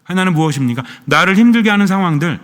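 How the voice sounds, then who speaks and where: A Catholic priest preaching a sermon in a fairly high voice, asking question after question and answering each one himself. His voice carries a long reverb, as if he is in a church. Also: lively intonation, rapid-fire, fairly bright tone. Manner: asks the congregation questions and answers them himself.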